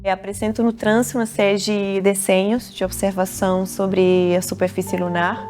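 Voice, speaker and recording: A woman's voice: medium pitch, flat delivery, moderate pace, darkish tone. A woman from Argentina, a native Spanish speaker with an Argentine accent, explaining her work as an artist. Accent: Argentine-accented Portuguese. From Córdoba, Argentina. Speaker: visual artist. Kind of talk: artist talking about own work. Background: music.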